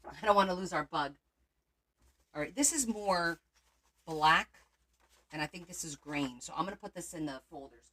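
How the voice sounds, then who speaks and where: Woman doing a craft livestream, lowish voice, chatty, talks through every step and answers chat. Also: expressive, normal speed, pauses often, a bit bright. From Portugal. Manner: chatty, thinks aloud while working, answers viewer comments.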